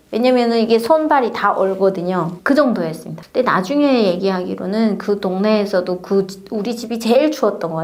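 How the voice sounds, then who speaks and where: Woman with a North Korean accent, medium pitch and lively intonation, at a moderate pace, with noticeable background noise. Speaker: North Korean defector sharing her story. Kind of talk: personal testimony monologue.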